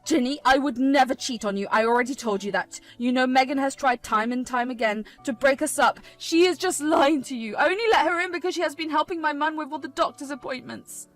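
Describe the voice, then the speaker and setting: A woman's voice: sits high, a little fast, hardly any pauses, faint music behind, close to an everyday voice. A woman voicing a young husband who speaks firmly and with exasperation. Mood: pleading. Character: young husband, firm and frustrated.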